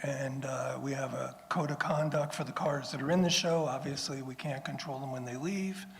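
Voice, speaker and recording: Audible room echo surrounds a man with a fairly high pitch who speaks with fairly even intonation and hardly any pauses. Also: moderate pace. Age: 70s. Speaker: local car show organizer. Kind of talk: public presentation at town meeting. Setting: town meeting room. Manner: informal, with frequent fillers.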